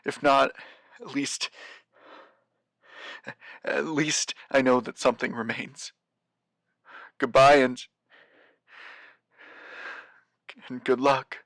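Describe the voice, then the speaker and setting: A haunted postmaster leaving a grave message in an audio drama. His mid-pitched voice is weary and halting, often searching for the right word. The sound is very dry. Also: steady tone, fairly bright tone, no room sound. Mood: resigned, hopeful. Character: weary, haunted male postmaster of a doomed city. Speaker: guest voice actor.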